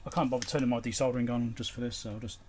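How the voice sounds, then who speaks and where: A man's voice: medium pitch, level tone, very fast, very noisy. A man giving casual, unscripted commentary while he works on electronics, muttering to himself in short, broken phrases. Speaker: electronics repair hobbyist and video host.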